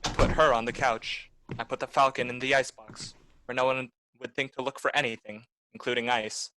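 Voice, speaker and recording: A man playing a hard-boiled private detective in a noir radio play, terse, wry and deadpan. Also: medium pitch, brisk, no echo, natural voice, rough recording. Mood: wry, weary.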